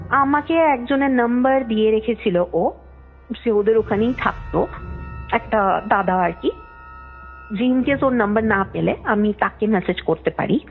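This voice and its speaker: A young woman caller telling a story in a chatty, rambling way, often trailing off mid-sentence. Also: a little high. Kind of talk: casual storytelling on a call. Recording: tinny phone line with faint music.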